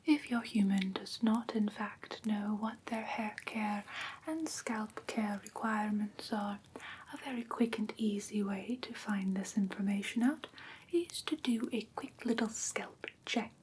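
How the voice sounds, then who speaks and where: A woman plays a gentle vampire schoolmistress in an ASMR roleplay. She speaks in a breathy, unhurried whisper, close to the microphone, with a careful and politely formal teaching manner. A faint noise sits behind her. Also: mid-range voice, close to an everyday voice, rough recording. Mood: gentle, instructive. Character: gentle, prim vampire woman teaching a human-care class. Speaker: ASMR performer.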